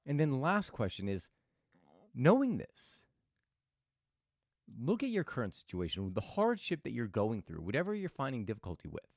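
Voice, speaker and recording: A man speaks in a reflective, motivational way, telling stories and often restarting his sentences. His pitch swings widely as he talks. The sound is dry and close, with no room around it. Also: wildly swooping pitch, normal speed, long pauses, darkish tone, no room sound. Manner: thoughtful, storytelling, with restarts. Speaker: host.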